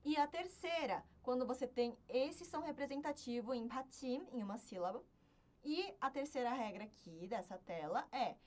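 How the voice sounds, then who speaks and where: A woman teaching an online language lesson, her fairly high voice rising and falling a great deal. She walks through each point patiently and keeps pausing to check that her students follow. She slows down to sound out example words. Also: a little mellow. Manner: explains step by step, often checking in with the class.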